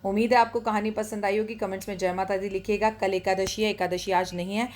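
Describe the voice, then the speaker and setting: A woman's voice: mid-range voice, flat delivery, fast, darkish tone. A woman astrologer hosting a storytelling show, telling a moral tale and driving points home with repeated lists. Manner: earnest, repetitive lists for emphasis. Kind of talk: moral storytelling with devotional talk.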